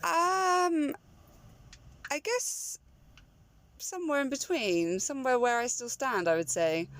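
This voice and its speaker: A woman's voice: high-pitched, takes it slowly, fairly bright tone. A young woman, a fashion label founder, talking as a guest in a casual chat with many ums and likes. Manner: chatty, laughs often, many ums and likes. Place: inside a car. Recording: road noise inside a car.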